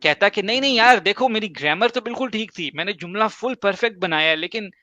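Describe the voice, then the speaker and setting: Casting note: a man with Urdu as his first language, hosting a casual advice talk, slightly high and bright, dry lo-fi sound. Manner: emphatic, explains with examples and quick asides. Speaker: host.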